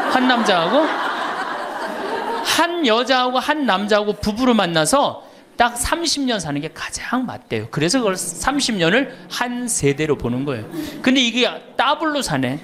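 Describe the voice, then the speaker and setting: Speaking in a high voice over slight background noise, this middle-aged priest delivers a funny lecture full of stories. He laughs a lot and playfully needles his listeners with questions.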